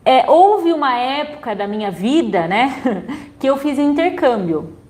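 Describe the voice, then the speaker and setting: Young Brazilian woman teacher, slightly high, chatty class delivery. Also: very animated, measured pace, a little mellow. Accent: Brazilian Portuguese. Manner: chatty, frequent "né?" tags. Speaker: sign language teacher. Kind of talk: online class talk.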